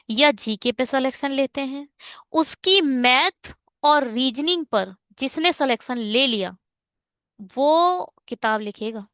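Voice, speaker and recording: A woman's voice: high voice, sharp tone, no room sound, studio quality. A woman teaching reasoning for bank exams in a chatty online lesson, mixing Hindi and English and ranting at exam setters.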